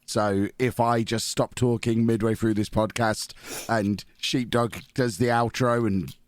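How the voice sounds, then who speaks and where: A man hosting a casual podcast, his voice hoarse and nearly gone, teasing his co-hosts cheekily. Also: lowish voice, fairly even intonation, a little slow. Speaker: podcast host. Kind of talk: casual chat.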